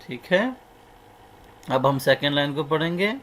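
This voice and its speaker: A man teaching a short prayer with a South Asian Urdu accent, chanting each phrase in long drawn-out melodic lines and dropping into quick, quieter spoken explanations between them. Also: fairly high pitch. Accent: Urdu-speaking South Asian. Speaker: Quran recitation teacher. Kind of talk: slow recitation lesson with explanations.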